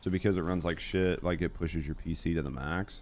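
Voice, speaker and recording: The voice is loud and moves at a fairly quick pace. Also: man. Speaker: video game streamer. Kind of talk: live gameplay stream chat. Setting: home office with three PCs. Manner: casual, filler-heavy.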